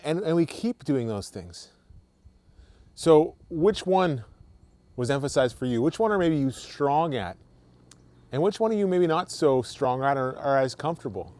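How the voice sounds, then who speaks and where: A man's voice: mid-range voice, a little mellow, no room sound. A man speaking as a pastor in a short devotional, earnest and conversational, often repeating words as he restarts a thought.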